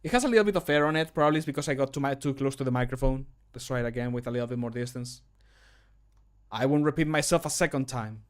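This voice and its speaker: A middle-aged man streams from a small room at home, chatting casually and self-deprecatingly while recording voice lines for a game mod. Close on the mic, he talks rapid-fire with hardly any pauses in a clear, resonant, mid-range voice, giving casual livestream commentary.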